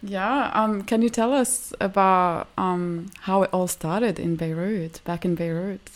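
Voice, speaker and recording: A woman's voice: mid-range voice, fairly even intonation, a little slow. A woman from Lebanon hosting a radio interview, asking her guest questions in a friendly, encouraging way. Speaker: radio show host.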